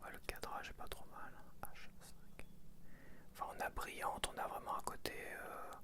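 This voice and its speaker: Male ASMR creator. Whispered, casual, unhurried murmuring in short fragmentary remarks, addressed to the listener. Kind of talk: whispered ASMR, casual sticker-unboxing commentary.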